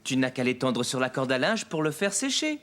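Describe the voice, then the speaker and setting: A man voicing a patient, cheerful young father in a French children's cartoon, explaining things gently and encouragingly. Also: mid-range voice, big pitch swings, fairly quick. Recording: loud music behind the voice.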